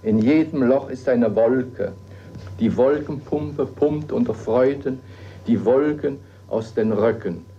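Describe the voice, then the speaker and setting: Older artist, dreamy poetic recital, mellow voice. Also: male voice, medium pitch, takes it slowly, dull audio. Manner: dreamy, playful declamation. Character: Hans Arp, older male artist musing on nature. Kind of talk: dramatic reading of poetic texts.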